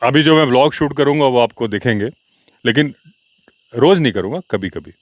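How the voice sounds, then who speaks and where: A man's voice: mid-range voice, lively intonation, fairly quick, dry recording, studio quality. A man hosting his own wildlife podcast, talking casually and explaining himself to his viewers. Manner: conversational, explaining and answering viewer comments in a mildly defensive tone. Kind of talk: casual solo podcast talk.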